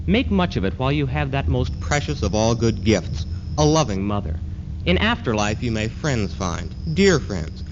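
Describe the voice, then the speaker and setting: A man's voice: mid-range voice, lightly acted. A man performing a sentimental, self-satisfied old husband in a florid, declamatory readers theater recitation. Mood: reverent. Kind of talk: theatrical verse and prose recitation. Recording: dull, noisy 1970s archival stage recording.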